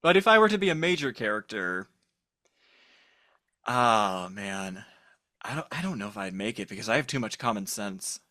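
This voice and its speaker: A man speaking as a podcast guest in casual chat, expressive and playful. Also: fairly low pitch, moderate pace, pauses often, no room sound, clean studio sound.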